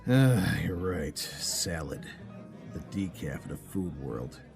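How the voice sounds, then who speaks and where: Dry, lowish-voiced police sergeant. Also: male voice, very animated, takes it slowly, creaky, music in the background, full character voice. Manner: dry, hesitant. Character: dry, slightly awkward male police sergeant, the boss. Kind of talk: audio drama acting.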